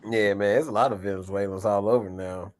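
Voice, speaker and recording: Animated, profane American man. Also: on the low side, brisk. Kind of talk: casual chat.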